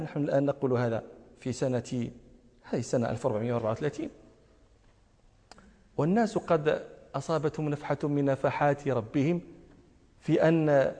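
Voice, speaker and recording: Sitting high and a little mellow, this man's voice carries an emphatic lesson from a religious scholar on recitation and jurisprudence. He repeats key phrases and poses rhetorical questions, and the sound has long hall reverb.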